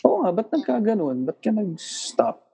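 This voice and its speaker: A man's voice: high voice, very animated, unhurried, vocal fry, warm tone, breathy edge. A man hosting a casual interview over a video call, joking and teasing his guest in an easygoing way. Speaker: podcast host.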